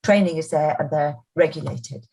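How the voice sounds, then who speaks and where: A woman's voice: low-pitched, normal speed, mellow, slightly rough. A woman presenting slides as a health expert, speaking emphatically and with the conviction of an advocate. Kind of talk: slide presentation to midwives and students.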